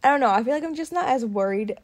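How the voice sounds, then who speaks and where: A woman in her twenties, co-hosting a podcast, telling stories in a chatty, animated way with plenty of "like". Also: fairly high pitch, quick pace. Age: 20s. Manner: chatty, animated storytelling full of "like". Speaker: podcast co-host. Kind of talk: casual chat.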